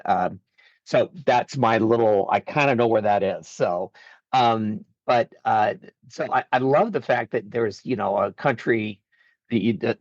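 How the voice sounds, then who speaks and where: A man's voice: on the low side, dry recording. A male podcast host with an enthusiastic, casual manner who often repeats his words. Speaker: podcast host, alumni manager. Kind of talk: casual interview. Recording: dull, slightly lo-fi dry sound.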